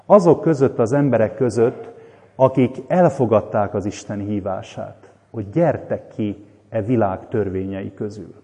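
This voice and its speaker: Preacher guy explaining stuff earnestly, deep mellow voice, lots of hall echo. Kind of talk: sermon commentary. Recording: long hall reverb.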